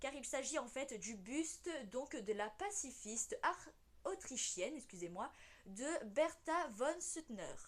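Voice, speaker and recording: Very slowly, a woman speaks in a high voice that makes very wide pitch swings. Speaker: YouTuber, coin collector. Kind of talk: casual video presentation. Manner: stumbling over words.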